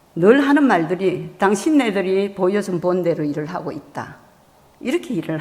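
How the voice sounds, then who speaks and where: A woman's lively intonation at a moderate pace, with audible room echo. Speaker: retired missionary. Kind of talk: testimony at church prayer meeting.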